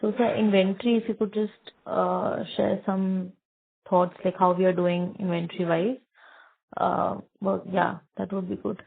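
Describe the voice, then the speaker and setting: Through a narrow phone connection, a woman with an Indian accent speaks in a husky, mid-pitched voice. She poses analyst questions in a polite, slightly hesitant way. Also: level tone, measured pace. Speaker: analyst questioner on an earnings call. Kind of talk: business question. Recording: muffled narrow phone line.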